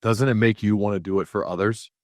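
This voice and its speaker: A man's voice: lowish voice, steady tone, fast talker, no room sound, studio quality. A man, interviewing casually as a podcast host in an enthusiastic, emphatic way.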